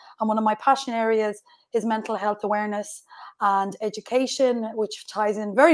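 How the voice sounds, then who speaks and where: A woman with an Irish accent speaks fairly quickly in a fairly high pitch, keeping her intonation fairly even. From west of Ireland. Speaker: lecturer, remote work specialist. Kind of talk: panel discussion.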